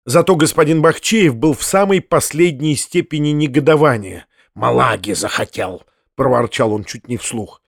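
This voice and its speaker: A man's voice: on the high side, dry recording, studio quality. Man reading a classic novel aloud. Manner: measured literary reading. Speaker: audiobook reader. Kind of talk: scripted narration.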